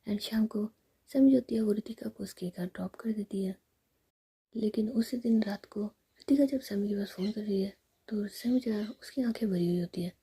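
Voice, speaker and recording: A woman narrating a love story entirely in a soft whisper. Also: mid-range voice, normal speed, slightly rough. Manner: whispering throughout.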